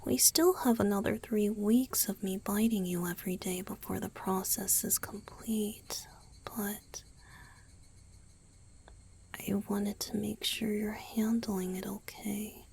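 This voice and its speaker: A woman playing a gentle, doting young male vampire boyfriend in a romantic ASMR roleplay, speaking softly and tenderly, mostly in a breathy whisper. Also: medium pitch, steady tone, takes it slowly, a little hiss or hum. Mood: tender, apologetic. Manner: tender, attentive, softly reassuring.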